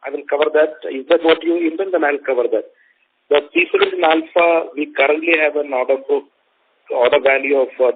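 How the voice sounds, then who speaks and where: A man with an Indian accent answering questions as a company executive, speaking formally and haltingly in measured phrases. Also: on the high side. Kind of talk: earnings call answers. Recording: narrow phone line with faint noise.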